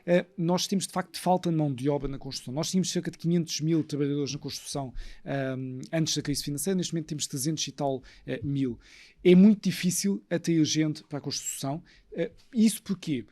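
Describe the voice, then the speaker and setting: A man's voice: on the high side, fairly quick, warm tone. A man with a European Portuguese accent, speaking as an expert guest in an analytical discussion.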